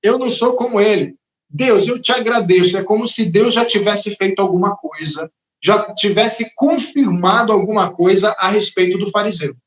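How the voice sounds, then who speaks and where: Expressive high-voiced male preacher, echoey. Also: normal speed. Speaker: pastor. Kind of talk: sermon.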